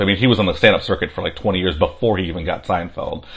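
Speaking with a Michigan accent, a man goes at a very fast pace with ordinary pitch variation. Noticeable background noise is present. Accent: Midwestern US (Michigan). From Detroit, Michigan. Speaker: stand-up comedian and voiceover artist. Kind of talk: casual chat.

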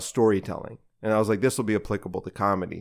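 Recorded very cleanly against a silent background, a man talks at a fairly quick pace. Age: 20s. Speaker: stand-up comedian. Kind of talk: casual chat.

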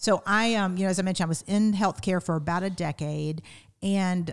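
Speaking with an American accent, a woman has an unremarkable speaking voice, a fairly low pitch and ordinary pitch variation. The recording is very clean, with a silent background. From US South, Columbus, Georgia. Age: 50s. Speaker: business coach and author. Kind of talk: casual interview.

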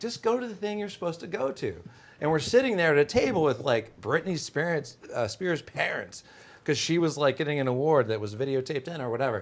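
This man has a plain, everyday voice, talking at a fairly quick pace with lively intonation. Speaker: podcast host. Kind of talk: casual chat. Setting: studio.

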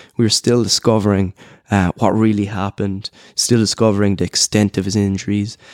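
Fairly low-pitched and fairly quick, a man talks with a Cork accent in a monotone, flat intonation. The sound is dry and close with no echo, on a very clean recording with a silent background. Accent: Cork Irish. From Ireland, Cork. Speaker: church elder. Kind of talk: personal testimony interview.

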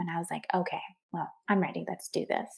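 Speaking with a western Canadian accent, a woman uses a medium pitch with vocal fry. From Vancouver, Canada. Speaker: grief and life coach. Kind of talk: personal testimony.

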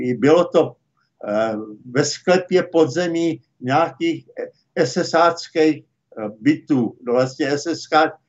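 The man's voice sits fairly high, with ordinary variation in pitch. He talks at a very slow pace. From Czechoslovakia, Polabí region near Nymburk. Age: 90s. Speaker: Czech émigré. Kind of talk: interview. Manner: halting, with many fillers.

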